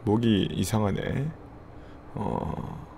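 A man streaming live with a hoarse voice, chatting casually and thanking subscribers. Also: fairly low pitch, extremely slow, very noisy.

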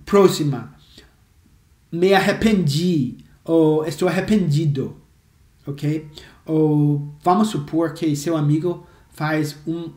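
A native English-speaking man teaches a language lesson, drilling each example phrase over and over at an unhurried pace. His voice sits fairly high for a man. The room has a noticeable echo. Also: darkish tone. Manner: slow, emphatic, repeats example phrases for drill. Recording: echoey room.

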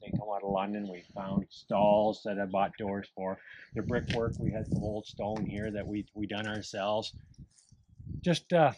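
A middle-aged man with a lowish voice rambles through a story with plenty of ums and restarts. He is recorded outdoors by a barn on an action camera, with clear background noise. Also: steady tone, a little slow. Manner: rambling, chuckling, lots of fillers. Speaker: barn owner. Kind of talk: casual storytelling.

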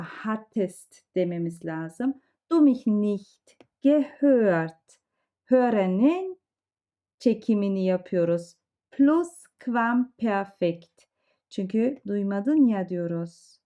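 Woman teacher, slow explanatory delivery, dull lo-fi recording. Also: mid-range voice. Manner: slow, explanatory, conversational asides. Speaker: German teacher. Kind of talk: language lesson explaining example sentences. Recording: dull lo-fi sound.

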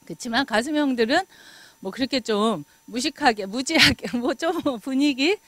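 A middle-aged woman giving a lecture in an animated way, laughing often and acting out remarks. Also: sits high, moderate pace, dry recording.

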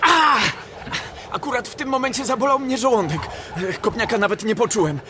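Casting: irritable stranded climber, high and agitated, radio drama with heavy noisy ambience. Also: male voice, big pitch swings, brisk. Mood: pained, defensive. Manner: agitated, grumbling. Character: starving, irritable stranded mountaineer.

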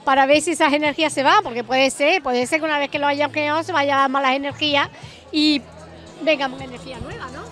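A woman's voice: sits high, steady tone, fast talker, fairly bright tone. A woman in her forties interviewing a guest outdoors at a night event, upbeat and guiding with questions. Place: beach bar terrace at night, outdoors. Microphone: handheld mic. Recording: music and crowd faintly behind.

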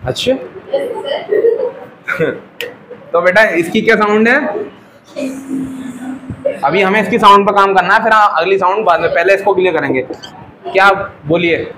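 A man's voice: high voice, unhurried, pauses often, noisy background. A young man teaching Russian to a class, patient and joking, often calling his students "beta" as he drills the letters.

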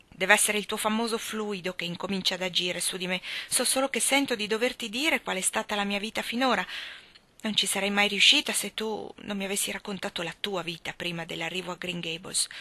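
A woman's voice: medium pitch, pushed and bright, no echo. A woman voicing a bitter, lonely young woman. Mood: hesitant. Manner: anguished, bursting outbursts. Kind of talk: audiobook character reading.

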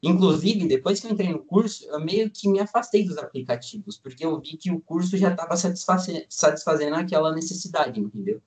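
A man's voice: fairly high pitch, a little fast, few pauses. A nineteen-year-old Brazilian man, a student guest, chatting casually in an interview and rambling with lots of fillers. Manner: relaxed, rambling, many fillers like "tipo" and "assim".

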